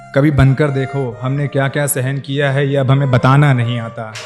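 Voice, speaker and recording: A man's voice with music in the background. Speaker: poet. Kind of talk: spoken word poetry performance. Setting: live stage event.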